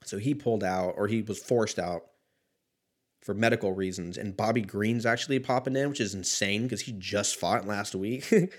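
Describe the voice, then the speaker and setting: Male sports talk host, 30s, fairly low pitch, loose and conversational, unpolished solo delivery with salty language. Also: moderate pace. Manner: laid-back, rambling, profane. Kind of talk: casual solo commentary.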